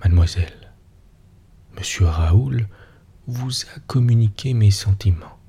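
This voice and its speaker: A man doing a bashful, drunken old tutor in whispered role-play. He stammers in a low, husky near-whisper, slow and dark in tone. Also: exaggerated voice. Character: drunk, bashful older male Latin tutor.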